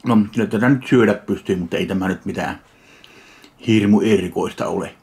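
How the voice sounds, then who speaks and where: A man from Finland tasting and reviewing a ready meal in slow, dry, deadpan remarks. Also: fairly low pitch. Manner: slow, dry, deadpan commentary between bites. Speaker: food reviewer. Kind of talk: casual food tasting review.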